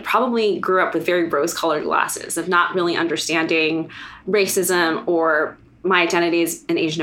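A woman's voice: on the low side, a bit bright, a little hiss or hum. A woman from the United States, a guest in a podcast interview, talking in a loose, rambling way with many fillers and restarts. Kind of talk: casual interview chat.

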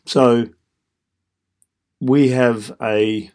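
Slow-spoken Australian man in his fifties. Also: mid-range voice, steady tone, a little mellow. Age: 50s. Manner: measured, deliberate, broken into short phrases. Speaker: podcast host. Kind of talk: reflective solo monologue.

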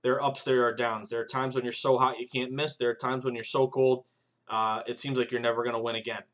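Speaking fast in a level, slightly bright voice of ordinary pitch, a thirty-something man runs his solo sports betting podcast as a casual monologue. He wanders from point to point, restarting and using plenty of fillers while addressing his audience as "guys."

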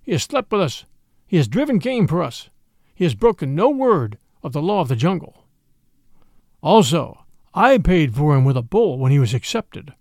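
A man voicing a calm, gentle male panther with a quiet danger to him, speaking softly and low. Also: moderate pace, no echo, clean studio sound. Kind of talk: storybook reading.

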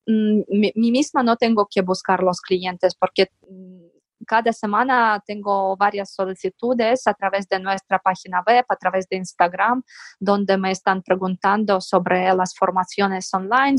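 A woman's voice: medium pitch, no echo. A woman guest on a podcast interview, speaking earnestly and encouragingly while searching for words.

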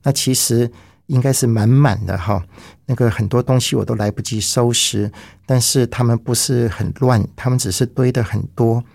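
A man's voice: medium pitch, fairly even intonation, normal speed, vocal fry, darkish tone, dry recording, clean studio sound. A middle-aged man with a Taiwanese Mandarin accent, telling his personal faith testimony in an earnest, reflective way. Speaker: testimony speaker.

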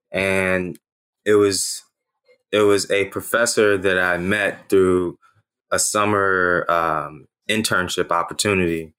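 Sharing his own past in an interview, this man in his thirties, a native speaker of Haitian Creole, has a very low and deep voice that sounds pushed and bright. Earnest and reflective, he often lingers on "you know" as he thinks.

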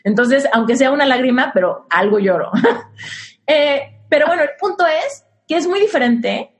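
A frank young Mexican woman talks through relationship advice in a casual, conversational way, often putting questions to her listener. Her voice sits a little higher than most. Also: expressive, moderate pace. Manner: frank, uses rhetorical questions. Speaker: podcast host giving relationship advice.

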